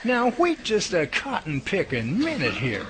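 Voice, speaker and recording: A man's voice: high voice, huge pitch swings, a little slow, heavy background noise, exaggerated voice. A man playing a folksy, skeptical comic sidekick in an audio drama, exaggerated and incredulous in manner.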